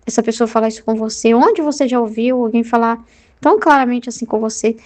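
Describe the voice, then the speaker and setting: A woman with a Brazilian Portuguese accent voicing Jesus as a gentle, loving man who gives earnest correction. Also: a little high, fairly quick, lightly acted. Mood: tender.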